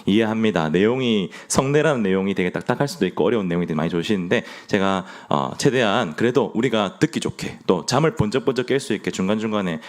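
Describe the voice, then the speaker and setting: A man's voice: lowish voice, fast, few pauses. A young man with a Gyeongsang accent preaching a sermon, playful and joking with his congregation. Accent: Gyeongsang Korean. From Gyeongsang region of Korea.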